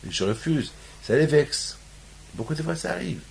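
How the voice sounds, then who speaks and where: A man's voice: fairly high pitch, expressive, moderate pace, vocal fry, slight background noise. A man from Morocco giving a sermon on the weekly Torah portion, restating his points over and over and rising into emphatic peaks. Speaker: rabbi.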